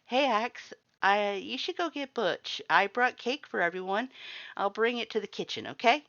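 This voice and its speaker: A man's voice: high voice, expressive, moderate pace, bright, forceful tone, no echo, dull audio, voice pushed up, heavily acted. A man voicing a plucky, friendly human visitor in a story reading, earnest and insistent. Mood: cheerful.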